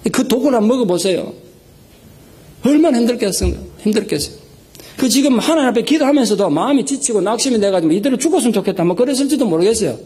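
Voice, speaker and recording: A male pastor delivers a Sunday sermon in a high, husky voice at a quick clip. He preaches with emphasis and acts out desperate prayers and stern rebukes in raised tones. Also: warm tone. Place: church sanctuary. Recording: live sermon recording.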